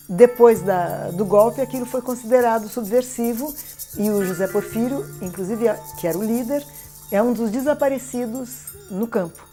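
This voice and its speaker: Mellow-voiced Brazilian woman explaining. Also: on the high side. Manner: explanatory, checks with listener. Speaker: expert commentator. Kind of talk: explanatory interview.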